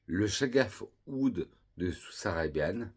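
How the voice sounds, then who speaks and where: A man from France reviewing perfumes in a casual vlog, calmly and unhurriedly listing scent notes one by one. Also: fairly low pitch, slow pace, breathy edge.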